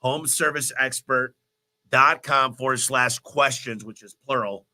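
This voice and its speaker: A man hosting a live business Q&A, talking in an energetic, motivational, rambling way while congested with a cold. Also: medium pitch, measured pace. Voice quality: stuffy, nasal. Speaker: host of a business Q&A livestream. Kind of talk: live Q&A answering viewer questions.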